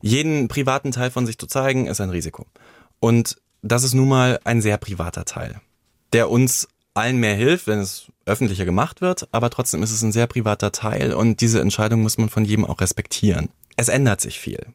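A man's voice: lowish voice, brisk, no room sound, studio quality. A man, an actor, talking candidly in a personal conversation and reflecting on his experiences, often acting out what others said. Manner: reflective, tells stories with acted-out quotes.

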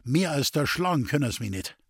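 A man voicing a hot-tempered young farmer's son who talks in Bavarian dialect, urgent and hoarse as he barks orders. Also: fairly high pitch, expressive, normal speed, no room sound, studio quality, voice pushed up. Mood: angry. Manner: urgent, commanding, hoarse shouting.

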